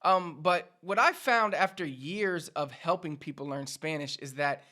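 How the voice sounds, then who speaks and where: Puerto rican guy teaching spanish online, bright punchy voice, kinda high, talks right to you. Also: measured pace. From Puerto Rico. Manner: upbeat, instructive, addresses viewers directly. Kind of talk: direct-to-camera language lesson.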